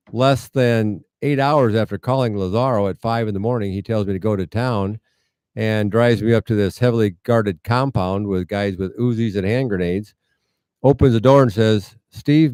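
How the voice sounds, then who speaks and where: Earnest but wryly funny, a middle-aged man from rural Iowa tells a story as an interview guest; he founded a medical mission. His Midwestern American voice is lowish, darkish, clear and resonant, at a moderate pace with no room sound.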